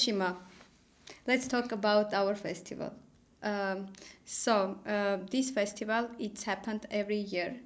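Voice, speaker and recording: A young woman, co-hosting a studio podcast and speaking haltingly in simple phrases. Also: medium pitch. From Armenia. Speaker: podcast co-host. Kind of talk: casual podcast chat. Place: small studio.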